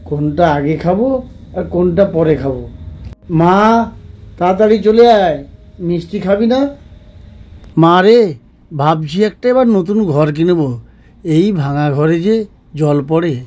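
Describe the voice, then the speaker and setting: A man's voice: on the high side, a little slow, long pauses, warm tone, close to an everyday voice. A man voicing a simple, cheerful poor village father in a cartoon moral story, given to exclaiming. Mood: delighted.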